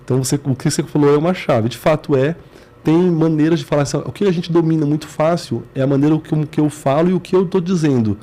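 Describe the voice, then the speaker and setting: A man's voice: on the high side, fast talker, dark tone. A man with a Brazilian accent, a company CEO appearing as a guest, explaining his points earnestly in short stacked phrases. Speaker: guest, business management CEO. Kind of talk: explanatory interview talk.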